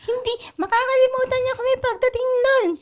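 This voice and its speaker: Woman playing very high-pitched, tender fantasy mentor. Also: little pitch movement, fairly quick. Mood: tender farewell. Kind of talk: improvised live radio drama. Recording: background noise.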